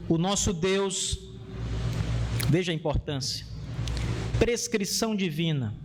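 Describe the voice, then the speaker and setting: A man's voice: sits high, animated, slow, noisy background. A Brazilian man preaching as a pastor, explaining scripture and exhorting in an emphatic, repetitive manner.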